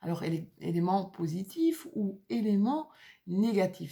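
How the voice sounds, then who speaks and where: Her voice is medium in pitch, dark and mellow in tone, and somewhat breathy. The woman speaks at a very slow pace. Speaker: tarot card reader. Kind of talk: tarot reading guidance video. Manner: halting, stammering.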